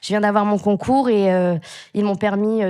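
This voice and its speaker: In a very clean recording with a silent background, the voice has a dark, mellow tone, fairly even intonation and a moderate pace. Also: woman. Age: 20s. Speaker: young carer, primary school teacher. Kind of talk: self-introduction at conference. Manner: hesitant, repeats words.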